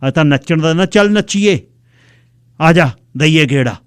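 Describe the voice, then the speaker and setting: A bold, playful woman with a high, lifted voice, as a male storyteller puts her on. She teases and mocks in a forceful, lively way. The voice is dry and close. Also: moderate pace, smooth, dry recording, lightly acted. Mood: teasing. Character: lively teasing woman, old schoolmate. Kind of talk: storytelling with acted dialogue.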